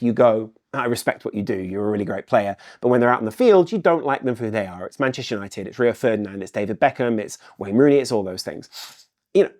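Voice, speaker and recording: A man's voice: mid-range voice, a little mellow. A middle-aged man from England, hosting a solo football commentary video, earnest and repetitive, leaning on "ultimately". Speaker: football channel host.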